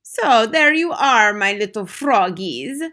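A woman reader plays a menacing witch queen in a storybook. Her voice jumps high and loud, and she snaps out haughty orders and questions as if everyone is beneath her. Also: animated, slow, full character voice. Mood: gloating menace. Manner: haughty, barking commands and questions. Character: imperious, snappish, menacing female Grand High Witch.

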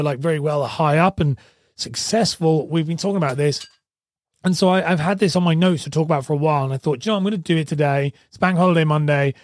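A man hosting a solo podcast, his voice hoarse and strained, talking in a chatty, rambling way and correcting himself often. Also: on the high side, darkish tone, no room sound, studio quality. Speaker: podcast host. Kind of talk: casual solo podcast talk.

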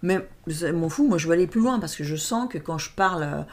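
A French woman talking casually as an interview guest, lively and emphatic, animating her stories. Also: lowish voice, brisk, a little hiss or hum. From France. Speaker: guest, stage performer.

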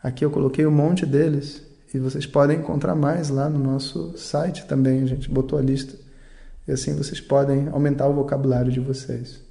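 A man giving a relaxed vocabulary lesson as a recorded phone voice message, reflective and pausing to search for words. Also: mid-range voice, vocal fry. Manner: slow, reflective, trails off while searching for words. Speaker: language teacher.

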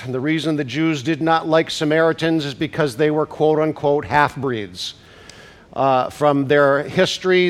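Congested preacher with a slightly high voice. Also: male voice. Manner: rising to emphatic preaching at climaxes; slows down to stress key scripture words. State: congested from a cold. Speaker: pastor. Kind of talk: sermon.

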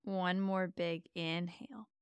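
In a smooth, slightly low voice and a steady tone, a meditation podcast host softly guides a mindfulness practice. Her soothing instructions are gentle and slow, with long pauses in between. The recording is clean, dry, close and clear, without echo.

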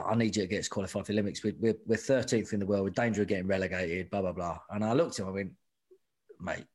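A middle-aged man, a rugby coach, telling stories candidly and animatedly, often repeating words and saying "mate". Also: medium pitch. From England. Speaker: rugby sevens coach, guest. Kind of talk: candid conversational storytelling.

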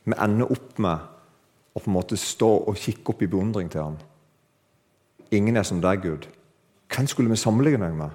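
A man with a somewhat low, slightly mellow and expressive voice preaches to a congregation, leaving long pauses. He talks with them conversationally, asks questions, and draws laughs with self-deprecating jokes before building to emphatic, lifted declarations.

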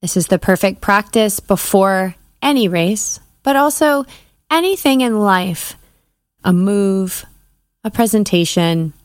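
Woman, meditation guide, measured soothing instructions, mid-pitched voice, pauses between phrases, very dry recording. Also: animated, dry recording. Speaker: podcast host, meditation guide and mindset coach.

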